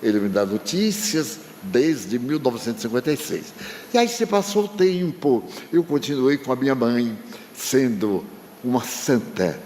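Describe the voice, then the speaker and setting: A man's voice: mid-range voice, very animated, measured pace, mellow. An older Brazilian man giving a spiritist talk, telling a personal story with emotion and acting out his father's words to the audience. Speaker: spiritist speaker. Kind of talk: storytelling lecture. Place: large lecture hall. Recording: long reverb from a hall, faint noise.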